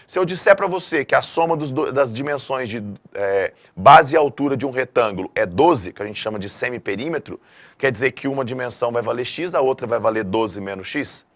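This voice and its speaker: A middle-aged man from Brazil giving a math video lesson, emphatic and lively, often checking in with the students. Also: mid-range voice, brisk. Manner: lively, emphatic classroom delivery with frequent checks like "tá?". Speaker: math teacher.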